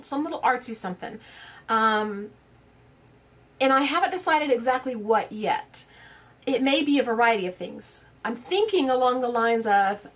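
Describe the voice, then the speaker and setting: A woman, chatting casually to her craft channel's viewers in a rambling way, full of fillers and restarts. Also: fairly high pitch. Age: 50s. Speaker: crafting vlogger. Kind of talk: casual chat to camera.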